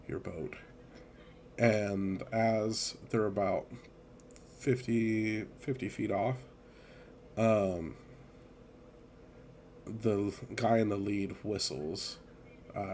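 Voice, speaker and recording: A man narrating a tabletop game as game master, unhurried, with many fillers. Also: on the low side, a little mellow, a little hiss or hum.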